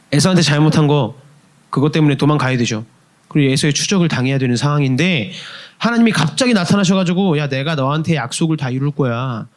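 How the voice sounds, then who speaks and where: A young man preaching a sermon at a youth church service, talking with the congregation and acting out quoted inner voices. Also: medium pitch. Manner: lively, conversational preaching with questions to the congregation. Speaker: youth pastor.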